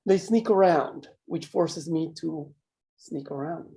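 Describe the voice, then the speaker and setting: A man acting a menacing mine boss in a drama table read, speaking in measured, condescending threats. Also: a little high, gravelly, dark tone. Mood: smug, cruel. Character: menacing, controlling male mine boss, coolly cruel.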